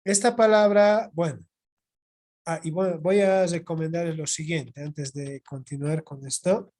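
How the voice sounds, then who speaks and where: Bolivian male teacher, high-pitched, slow and repetitive, online class on a computer mic. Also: steady tone, warm tone. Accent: Bolivian Spanish. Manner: slow, repetitive explaining with checking "¿ya?". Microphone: computer mic on video call.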